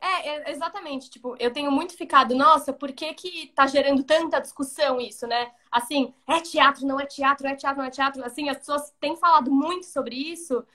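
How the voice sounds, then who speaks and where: A young woman hosts a live chat from her home over a video call. Her voice is high and bright with a sharp edge, and she chimes in with quick agreement and lots of fillers. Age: young adult. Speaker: host. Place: home room, indoors.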